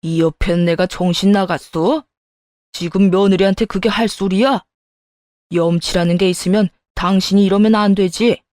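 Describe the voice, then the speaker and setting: A blunt, furious older father-in-law, played by a woman, barking harsh commands in a spoken family story. The voice sits at a middling pitch and is recorded dry and close. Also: fairly even intonation, normal speed, a little mellow, no echo, lightly acted. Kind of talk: storytelling dialogue.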